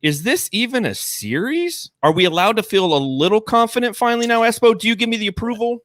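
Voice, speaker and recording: Bright hyped-up male podcast host. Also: high voice, lively intonation, no room sound, studio quality. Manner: hype, playful, drawn-out emphasis. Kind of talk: excited sports podcast banter.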